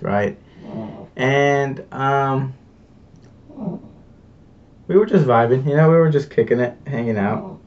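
A man's voice: mid-range voice, a little mellow, recorded from a distance, dull audio. Laid-back young man rambling casually. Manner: rambling, filler-heavy, laid-back slang. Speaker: vlogger. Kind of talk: casual confessional chat.

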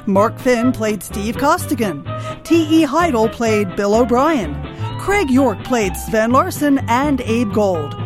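A woman's voice: a little high, animated, takes it slowly, over music. A woman reading scripted credits as the announcer of a radio drama.

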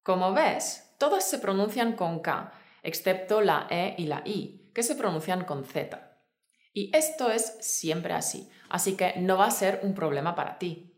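A woman co-hosting a scripted language lesson, speaking in a clear, careful teacherly way. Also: fairly low pitch, animated, a little slow. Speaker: Spanish teacher, co-host. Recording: roomy sound with faint music.

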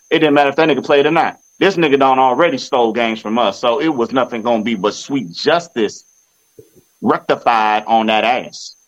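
A man's voice: mid-range voice, normal speed, low-quality recording. A man talking casual football trash on a phone video, boastful and repetitive with a swaggering manner. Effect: recorded on a phone. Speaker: sports fan vlogger.

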